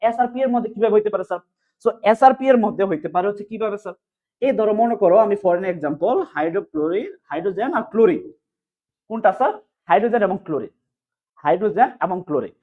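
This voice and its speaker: Man, chemistry teacher, high voice, tinny phone-like sound. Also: expressive. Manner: fast, repetitive question-and-answer drilling. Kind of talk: online exam-prep class.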